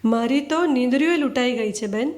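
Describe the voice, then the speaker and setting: A woman's voice: sits high, moderate pace, a little mellow, natural voice. A woman reading as a despairing young working wife. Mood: pleading. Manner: pleading, plain-spoken.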